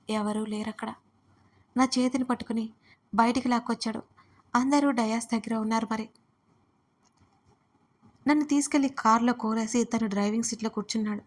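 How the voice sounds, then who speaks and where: A young woman narrating a first-person audio story expressively. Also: fairly high pitch. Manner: expressive, pleading in dialogue.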